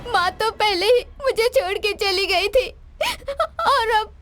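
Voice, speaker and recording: A young actress dubbing a grieving young woman, crying as she speaks. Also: very high-pitched. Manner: tearful, slow. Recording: film dub over loud music.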